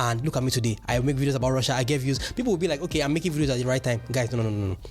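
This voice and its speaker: At a very fast pace, a man delivers an animated tone at medium pitch, with ordinary pitch variation and very even loudness. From Nigeria. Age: 20s. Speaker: vlogger. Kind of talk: casual vlog monologue. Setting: talking to camera. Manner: occasional stutter.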